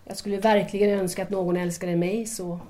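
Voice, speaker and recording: A woman's voice: medium pitch, level tone, mellow, close to an everyday voice. An actress playing a shy, naive, conventionally raised young woman, hesitant and politely earnest in an audio drama. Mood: earnest, admiring.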